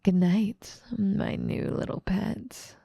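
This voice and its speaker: Woman playing a gravelly, dark-toned, domineering witch. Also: mid-range voice, wildly swooping pitch, slow pace, dry recording, clean studio sound, heavily acted. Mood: doting. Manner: silky, doting, gloating. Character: evil, controlling, possessive adult female witch. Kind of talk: ASMR roleplay audio drama.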